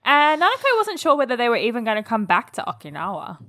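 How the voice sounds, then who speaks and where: A woman's voice: a little high, wildly swooping pitch, fast talker, sharp tone. A woman co-hosting a podcast, chatting casually about an anime and laughing often. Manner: giggly, enthusiastic. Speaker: podcast co-host. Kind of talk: casual chat recapping an anime.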